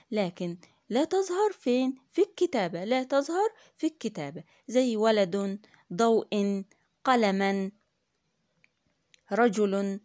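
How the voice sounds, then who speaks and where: Woman, Egyptian Arabic accent, schoolteacher, animated sing-song delivery, mellow tone, dry close sound. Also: medium pitch, no echo. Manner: repeats each point slowly and patiently; asks the class questions and praises answers. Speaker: primary school teacher. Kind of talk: classroom lesson for young children.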